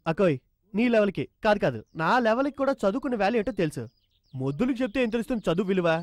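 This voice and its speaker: An actor playing a cheeky, wisecracking middle-aged uncle in a film comedy scene, teasing his family in rapid banter. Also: high-pitched, sing-song, dry recording. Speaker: comic maternal uncle in a film.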